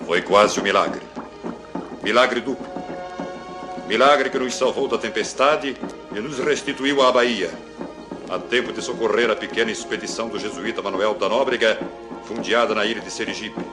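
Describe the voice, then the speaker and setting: Actor as a dramatic war correspondent over music. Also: male voice, lowish voice, normal speed, close to an everyday voice. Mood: dramatic, urgent. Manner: formal, dramatic on-the-spot reporting. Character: urgent male war correspondent reporting from a colonial expedition. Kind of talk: 1960s radio news dramatization, war-correspondent reporting. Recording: old radio recording with loud music behind.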